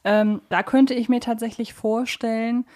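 A woman's voice: fairly high pitch, steady tone, unhurried, darkish tone. Woman chatting on a podcast, casual, kinda feels her way through sentences. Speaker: podcast co-host. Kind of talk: casual discussion of an audio drama series.

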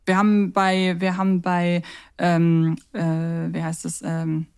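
A woman's voice: lowish voice, flat delivery, a little slow, smooth. A woman co-hosting a podcast, chatting casually in a reflective, questioning way. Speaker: podcast co-host. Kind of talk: casual podcast chat about audio dramas.

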